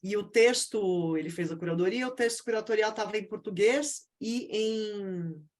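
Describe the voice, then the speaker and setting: A woman's voice: mid-range voice, moderate pace. Woman lecturer, mid-range voice, hesitant, repeats words, informal online class. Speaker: art history lecturer.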